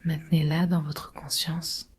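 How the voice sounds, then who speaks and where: A woman leading a guided relaxation meditation in a breathy, husky, often near-whispered voice, giving slow, soothing, measured instructions. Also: low-pitched, little pitch movement, a little mellow. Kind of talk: guided Yoga Nidra meditation.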